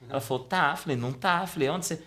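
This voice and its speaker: A middle-aged man, a podcast guest telling a personal story casually and acting out the dialogue. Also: fast talker. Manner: animated storytelling, acting out dialogue with pitch swings. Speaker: podcast guest, Umbanda priest.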